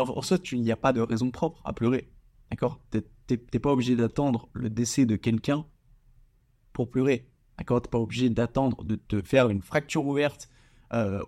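A man's voice: mid-range voice, darkish tone. A young man hosting a casual solo podcast, informal and slangy, often stumbling and repeating words. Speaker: podcast host.

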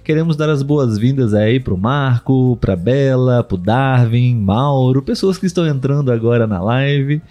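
A man's voice: mid-range voice, unhurried, few pauses, mellow. A Brazilian man hosting a casual live podcast for language learners, explaining things didactically and often restating with synonyms. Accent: Brazilian Portuguese. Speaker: podcast host.

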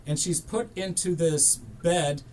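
A man's voice: fairly high pitch, takes it slowly, a little mellow, slight background noise, poor audio. A man hosting a podcast, talking casually and drifting into tangents about films. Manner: chatty, tangent-prone. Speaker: podcast host. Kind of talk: casual film discussion.

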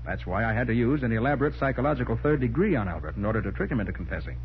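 Man acting a shrewd male detective, commanding, fast, animated delivery, dull old radio sound, faint hiss. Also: mid-range voice, lightly acted. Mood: confident explaining. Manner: assertive, explanatory, slangy. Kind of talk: 1940s radio crime acting. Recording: muffled vintage radio recording, faint hiss.

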